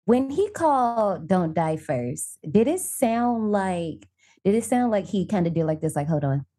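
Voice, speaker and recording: A woman's voice: mid-range voice, measured pace. A woman with an African American accent in casual conversation as a co-host, telling things in slangy language and acting out her reactions. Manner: slangy, animated storytelling with acted-out reactions. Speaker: podcast co-host reviewing short films. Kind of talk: casual chat.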